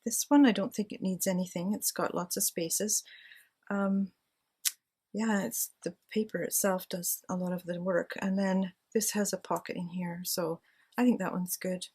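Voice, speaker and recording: Husky-voiced woman chatting while crafting. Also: lowish voice, fairly even intonation, normal speed, a little mellow. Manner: chatty, talks to herself while working. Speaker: crafting vlogger. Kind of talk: casual crafting chat.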